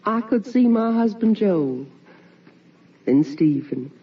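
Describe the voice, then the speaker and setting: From a muffled old radio play comes the ghost of a wife and mother, full of longing and sorrow. The voice is low for a woman and drifts very slowly, hushed and theatrical, a little away from the microphone. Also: lively intonation, husky. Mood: sorrowful, yearning. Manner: slow, hushed, theatrical delivery. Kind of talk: radio drama monologue. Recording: muffled old radio recording, distant mic.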